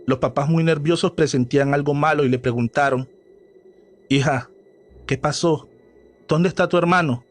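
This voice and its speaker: A man reading a horror story aloud as a storyteller, dramatic and measured. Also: medium pitch, a little hiss or hum. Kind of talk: scripted horror story narration.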